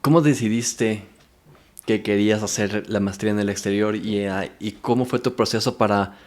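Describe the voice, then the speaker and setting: A man's voice: fairly low pitch, normal speed, a little mellow. A man hosting a podcast, asking probing questions in casual interview chat. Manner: attentive, with short backchannels and probing questions. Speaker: podcast host.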